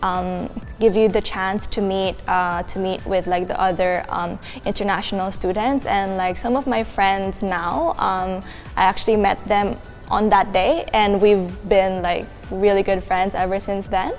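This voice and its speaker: A woman's voice: mid-range voice, fairly even intonation, measured pace, faint music behind. Chatty young woman from the Philippines. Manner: chatty, many filler likes. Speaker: international student. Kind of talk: casual student testimonial.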